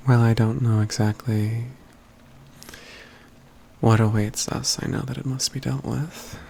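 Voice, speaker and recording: A man playing a calm, courtly mage companion in a soft-spoken ASMR fantasy roleplay, with measured, halting phrases that often drop to a whisper. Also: medium pitch, gravelly, a little hiss or hum. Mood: calm, deliberate.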